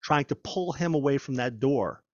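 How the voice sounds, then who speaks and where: A man, a former federal agent, telling stories in a conversational interview, animated and often repeating and restarting his words. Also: mid-range voice, moderate pace, no echo, muffled recording. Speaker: guest, former FBI agent. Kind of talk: conversational storytelling.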